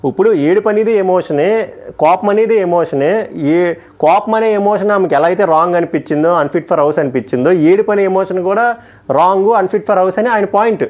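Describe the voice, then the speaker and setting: A man's voice: sits high, a little mellow. A man giving a casual, emphatic review of a TV episode and weighing each point with strong opinions. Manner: emphatic, opinionated, quickly switching between points. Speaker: TV show reviewer.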